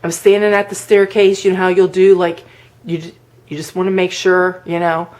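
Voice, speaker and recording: A woman's voice: lowish voice, level tone, moderate pace, a little mellow. Woman, middle-aged, vlogger, chatty, laughs often, casual storytelling. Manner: chatty, laughs often, acts out quoted voices.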